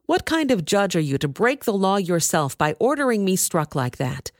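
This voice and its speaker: A woman's voice: mid-range voice, sing-song, moderate pace, no echo, clean studio sound, close to an everyday voice. A woman reading the words of a bold, defiant male apostle in a scripture reading.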